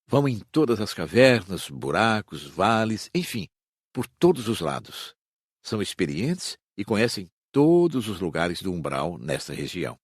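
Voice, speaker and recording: A Brazilian man playing a patient spirit teacher in an audiobook, explaining in a measured, didactic way. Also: lowish voice, sing-song, husky, no room sound, clean studio sound, exaggerated voice. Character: patient male spirit teacher instructing his students. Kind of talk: audiobook dramatized reading.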